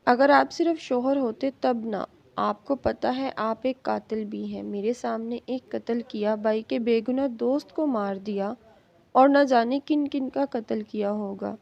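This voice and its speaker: A woman's voice: a little high, vocal fry, muffled recording. A woman voicing a defiant weeping young bride. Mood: tearful anger. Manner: defiant, sobbing, pleading.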